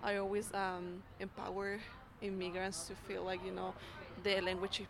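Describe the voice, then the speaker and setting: A young woman with a gravelly edge to her voice talks haltingly, full of fillers and restarts as she hunts for words in English. The recording has a clear hiss and noise behind her. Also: medium pitch, completely flat delivery. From Mexico. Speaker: youth program worker at an immigrant services agency. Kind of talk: casual interview answers. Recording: noisy recording.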